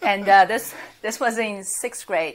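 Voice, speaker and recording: At a fairly slow pace, a woman speaks in a normal speaking voice at medium pitch. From Taiwan, moved to US as preteen. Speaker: data science executive. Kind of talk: podcast interview.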